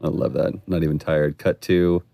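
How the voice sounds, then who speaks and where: A man's voice: very deep voice, level tone, moderate pace, warm tone, clear, resonant tone, dry recording. A man who acted the lead role in a video game, enthusiastically admiring its scenes in a commentary. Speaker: voice actor. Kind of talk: developer commentary.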